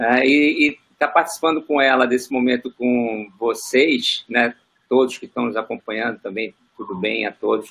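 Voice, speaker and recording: The man talks at a moderate pace with vocal fry, his medium pitch showing ordinary variation. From Recife, Pernambuco, Brazil. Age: 40s. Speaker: professional big-wave surfer. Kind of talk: casual interview. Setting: video call.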